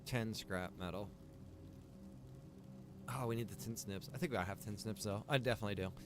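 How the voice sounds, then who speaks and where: A man's voice: lowish voice, normal speed, over music. A man streaming a video game, chatting casually and thinking aloud in a rambling way. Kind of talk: casual chat while playing a game. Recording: clear background noise.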